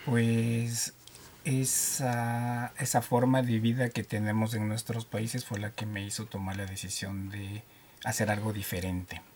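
A man from Ecuador with a Quito accent, a radio guest telling animated stories about himself. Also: lowish voice, a little slow, a little hiss or hum. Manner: animated storyteller, jokes and laughs often. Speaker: guest, driving instructor. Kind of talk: casual radio interview.

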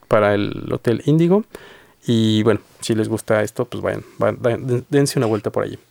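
A man's voice: lowish voice, vocal fry, darkish tone, dry recording. A man hosting a casual radio interview in a studio, chatty and hesitant, with frequent fillers. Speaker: radio show host. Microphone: studio microphone.

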